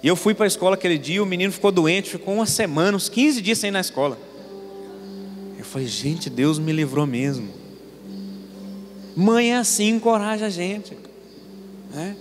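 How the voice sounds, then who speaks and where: A man's voice: high voice, brisk, faint music behind. A man in his twenties from Paraná, Brazil, preaching a sermon as pastor, telling stories and asking the congregation rhetorical questions. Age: 20s. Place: church sanctuary. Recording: long church reverb, faint room ambience.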